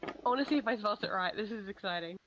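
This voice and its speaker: A woman's voice: medium pitch, racing, highs cut off, background noise. A woman taking part as a player in an online tabletop game, speaking in a friendly, careful, chatty way.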